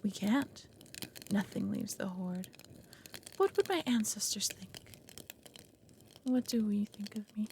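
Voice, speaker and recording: An ancient, lonely she-dragon, played by a woman, speaks with a gravelly creak in a fantasy audio roleplay. She is proud and solemn, a brooding, reluctant mother figure. A faint noise sits behind her voice. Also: medium pitch, takes it slowly, long pauses, darkish tone. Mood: guarded, melancholy. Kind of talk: dramatic audio roleplay acting.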